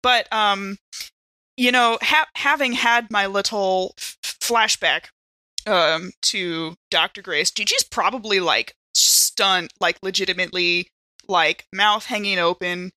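A woman's voice: mid-range voice, takes it slowly, pushed and bright, no room sound. A woman chatting casually as a player in a tabletop game.

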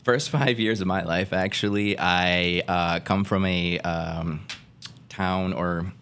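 A man from Guatemala, a podcast guest, telling his story in a laid-back way with many pauses and fillers. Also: sits low, fairly even intonation, fairly bright tone, a little hiss or hum. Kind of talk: casual conversational interview.

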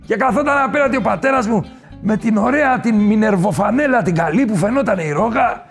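A swaggering self-crowned king of the nightlife, bragging loudly in a very high, gravelly voice. He shouts his punchlines with brash confidence. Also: lively intonation, faint music behind. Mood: boastful. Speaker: comic guest character. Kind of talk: comedy sketch interview.

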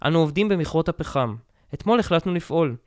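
A man voicing a gaunt French prisoner who speaks calmly and earnestly to his wife. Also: a little high, dry recording, studio quality, pitched above the performer's own voice, close to an everyday voice. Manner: calm, soothing, earnest. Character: gaunt French prisoner husband, calm and brave.

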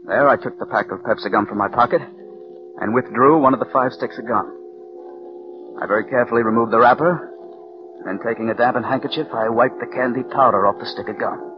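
An actor playing a calm, scheming writer who narrates his own murder plot in a 1940s radio drama. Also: medium pitch, music in the background, close to an everyday voice. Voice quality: measured, cool narration. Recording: dull old radio broadcast recording.

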